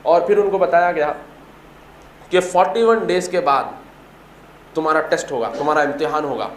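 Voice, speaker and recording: A man's voice: on the high side, moderate pace, slight background noise. A man giving a religious storytelling talk, emphatic and repetitive, often posing rhetorical questions. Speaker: religious speaker. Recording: echoey room, faint ambience.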